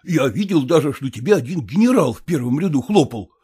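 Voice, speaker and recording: A man's voice: high-pitched, big pitch swings, moderate pace, warm tone, breathy edge, voice pushed up, exaggerated voice. A man voicing a middle-aged actor who earnestly soothes his upset wife. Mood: soothing.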